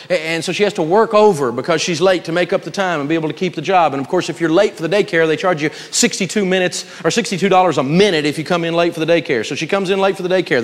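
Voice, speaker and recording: Male seminar speaker, fairly high voice, folksy storyteller, long hall reverb. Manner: folksy storyteller acting out quotes. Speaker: financial seminar teacher. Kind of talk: live seminar teaching with stories.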